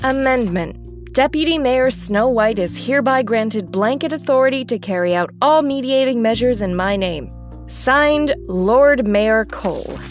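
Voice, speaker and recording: An actress playing Snow White, a weary, guarded and sardonic deputy mayor with a dry, wry manner, in an audio drama. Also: female voice, a little high, expressive, a little slow, soft background music. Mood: businesslike, wry.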